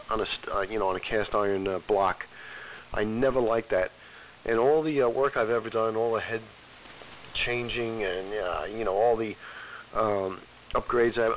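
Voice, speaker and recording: Dull shortwave audio with a faint hiss carries a middle-aged American man with a slightly low voice. He has a bit of a cold and chats in a plainspoken, repetitive way as an amateur radio operator. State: getting over a cold. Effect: shortwave AM radio transmission. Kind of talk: casual radio chat. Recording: muffled, hissy shortwave radio reception. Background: faint static hiss.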